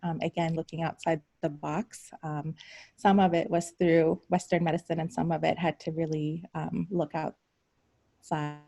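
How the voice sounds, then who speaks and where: Woman from iran on a zoom call, lots of ums, low gravelly mellow voice. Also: flat delivery. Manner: hesitant, many ums and pauses. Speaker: psychiatrist guest speaker. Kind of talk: casual personal story on a video call. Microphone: video call.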